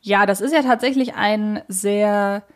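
A woman's voice: medium pitch, measured pace. A woman hosting a podcast, talking casually in a reflective, explanatory way as she works through her points. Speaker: podcast host.

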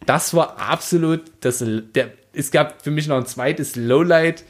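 A man's voice: fairly high pitch, unhurried, a little hiss or hum. Emphatic, exasperated young man. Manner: emphatic, slangy, exasperated complaining. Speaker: podcast co-host. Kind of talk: casual opinionated book discussion with read-out quotes.

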